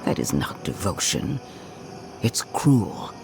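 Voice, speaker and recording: A solemn, menacingly persuasive oath-bound man in a fantasy game. He speaks very slowly and deliberately in a gravelly voice, like an orator, with music behind him. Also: sits low, sing-song, heavily acted. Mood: solemn, bitter. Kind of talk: fantasy video game dialogue.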